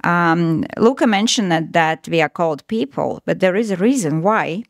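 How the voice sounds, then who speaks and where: Chatty woman, laughs a lot, lowish voice, dry close sound. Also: lively intonation, gravelly, no echo. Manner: laughing, chatty, loose halting phrasing. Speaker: guest. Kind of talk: casual podcast chat.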